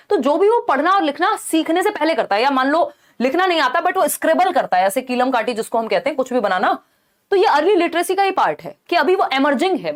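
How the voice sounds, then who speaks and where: A young woman teaching an exam-prep lesson, explaining each answer by rephrasing it and asking rhetorical questions. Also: high voice.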